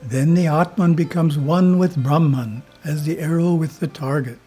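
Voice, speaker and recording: A man who is a spiritual teacher reads his editorial in a slow, measured way and chants Om between the passages. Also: on the high side, mellow, slightly rough, soft background music.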